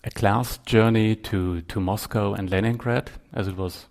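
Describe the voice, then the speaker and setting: A middle-aged man with a German accent, a podcast guest answering questions thoughtfully and hesitantly, with many pauses and ums. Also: on the low side, fairly even intonation, a little mellow. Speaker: guest photographer. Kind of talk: podcast interview.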